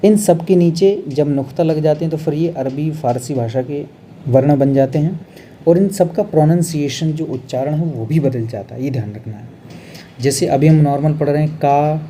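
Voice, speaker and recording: A man teaching an exam revision lesson on Hindi grammar, explaining step by step and slowing down to show how words are pronounced. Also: on the high side, mellow, slight background noise. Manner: explains step by step, often adds "bhai" and "hai na"; drawn-out, slow when showing pronunciation.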